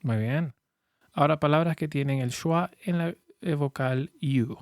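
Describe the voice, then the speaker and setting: A man teaching English pronunciation in a patient, clear way, saying model words slowly for learners to repeat. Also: on the high side, a little mellow, dry recording, studio quality. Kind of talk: shadowing lesson, repeat-after-me drills.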